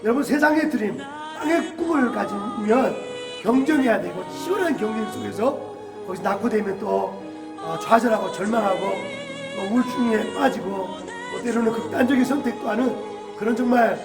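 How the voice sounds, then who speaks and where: A man, a pastor, giving a church announcement and prayer over a PA system in a preachy way with frequent drawn-out "ah" fillers. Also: high-pitched. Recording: echoey church hall with music.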